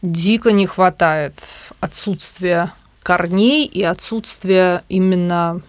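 A woman guest from the music industry talking in a lively, conversational way, acting out quotes as she tells stories. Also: on the low side, takes it slowly, dry recording. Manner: animated storyteller, acts out quotes. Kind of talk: conversational interview.

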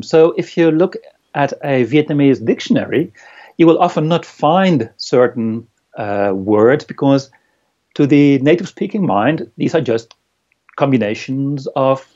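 A hesitant man with a dark, mellow voice talks carefully and pauses over his words. The recording is dull and lo-fi. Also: on the high side, animated. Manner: hesitant, many uh fillers, careful phrasing. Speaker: interview guest. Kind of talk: casual interview chat.

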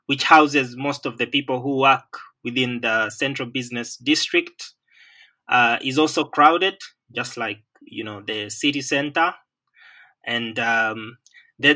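A man from Western Uganda with a Ugandan accent, speaking slowly with many pauses and fillers in an interview. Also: mid-range voice, pushed and bright. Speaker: land management professional. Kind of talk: remote interview conversation.

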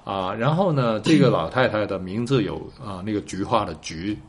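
A man with a fairly low voice speaks Mandarin with a non-native accent. He talks in a reflective, conversational way, often pausing to search for a word and repeating himself as he goes. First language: not Mandarin; says their Mandarin is poor. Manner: halting, searching for words, repeats phrases. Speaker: academic guest, researcher and teacher.

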